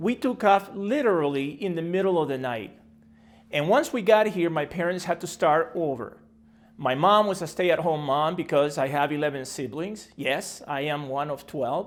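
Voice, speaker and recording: With a Salvadoran accent, a man speaks at a moderate pace, his fairly high pitch carrying lively intonation. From El Salvador. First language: Spanish. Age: 50s. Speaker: state supreme court justice, commencement speaker. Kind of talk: commencement speech. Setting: recorded video for a virtual ceremony.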